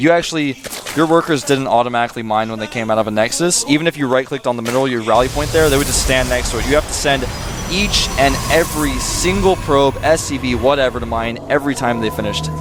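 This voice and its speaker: Music plays in the background as a man talks at a very fast pace. His medium-pitched voice has lively intonation. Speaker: esports caster. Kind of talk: live commentary.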